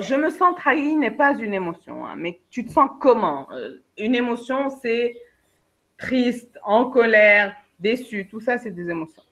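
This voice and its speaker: A woman, a career coach and trainer giving a lively webinar talk, speaking straight to her participants and acting out her examples. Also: a little high. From Algeria. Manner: lively, addresses participants directly, acts out examples. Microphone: video call. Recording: dull lo-fi online webinar audio.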